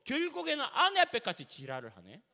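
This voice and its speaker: Animated Gyeongsang-accented male pastor preaching. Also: very high voice, quick pace, gravelly. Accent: Gyeongsang Korean. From Gyeongsang region, South Korea. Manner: animated, colloquial preaching that acts out everyday scenes. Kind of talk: sermon. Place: church sanctuary. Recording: reverberant church sanctuary.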